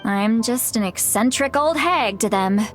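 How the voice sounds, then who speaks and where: A woman's voice: a little high, expressive, unhurried. An actress playing a frank, self-deprecating tribal elder woman in a video game, speaking casually with wry, hesitant asides. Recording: music behind the voice.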